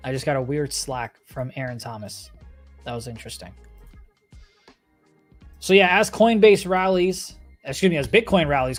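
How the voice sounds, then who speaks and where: A man with a slightly high voice hosts a casual trading livestream over faint background music. He speaks informally and conversationally, addressing viewers directly as he gives live commentary. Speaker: livestream host and stock trader.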